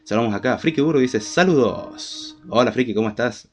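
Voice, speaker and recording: A man's voice: mid-range voice, lively intonation, fast talker, soft background music. A man with a Rioplatense Spanish accent and a congested, head-cold voice, hosting a casual live podcast in a jokey, informal way. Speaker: podcast host.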